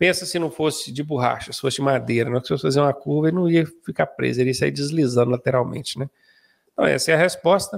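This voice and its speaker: Over a quiet background, a man with a normal speaking voice talks at a fairly high pitch with ordinary pitch variation. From Brazil. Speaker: driving instructor. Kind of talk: tutorial. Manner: casual and conversational. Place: home room. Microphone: studio mic.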